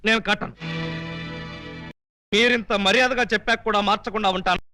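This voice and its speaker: An actor playing a comic, flustered male police officer who fires off quick denials and wordplay. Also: sits high, fairly even intonation, bright, forceful tone. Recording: film soundtrack with music behind.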